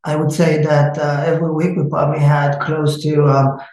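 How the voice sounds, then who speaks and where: A man's voice: a little high, level tone, normal speed, darkish tone. A man from Israel with an Israeli accent, a startup founder answering interview questions in a hesitant way with many filler sounds. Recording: echoey room.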